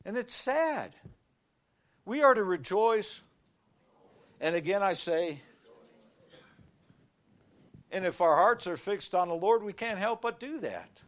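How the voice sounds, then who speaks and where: Animated high-pitched male preacher. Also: a little slow. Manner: animated preaching, shouting high on key words; folksy, tells everyday stories. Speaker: pastor. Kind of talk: sermon.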